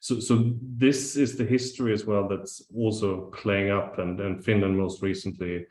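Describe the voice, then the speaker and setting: A man's voice: fairly low pitch, level tone, moderate pace, a little mellow, roomy sound, slight background noise. A man who grew up in Sweden, speaking as a panelist in an academic discussion, hesitant with many restarts.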